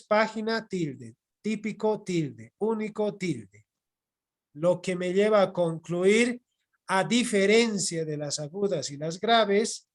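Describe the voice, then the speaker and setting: A man with a Bolivian Spanish accent teaching an online class, explaining slowly and repeating points while checking his students follow. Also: high-pitched. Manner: slow, repetitive explaining with checking "¿ya?". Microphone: computer mic on video call.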